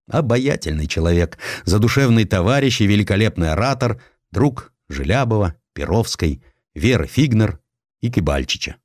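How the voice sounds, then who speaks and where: Выразительный чтец-мужчина с очень живой интонацией. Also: male voice, fairly low pitch, darkish tone, no room sound, studio quality. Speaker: audiobook narrator. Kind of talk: dramatic scripted narration of history.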